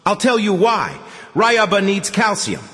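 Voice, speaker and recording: A man's voice: high voice, very animated, a little slow, fairly bright tone, pitched above the performer's own voice, heavily acted. A man voicing a scruffy bearded egg seller who haggles firmly, in a reverberant audiobook reading. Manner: firm, haggling.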